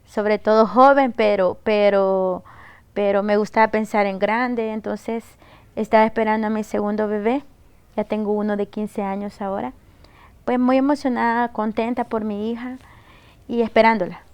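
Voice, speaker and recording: Clear Salvadoran woman interviewee, dry sound. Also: mid-range voice, steady tone, a little mellow, dry recording. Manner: measured, with halting repeats.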